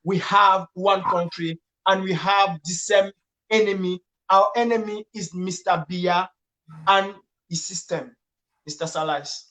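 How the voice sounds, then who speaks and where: A man's voice: high voice, fairly even intonation, slow pace, bright, forceful tone, rough recording. Emphatic Francophone Cameroonian man making an appeal. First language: French. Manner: emphatic, repetitive, hesitating as he searches for words. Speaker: activist and campaigner. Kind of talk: impassioned political appeal.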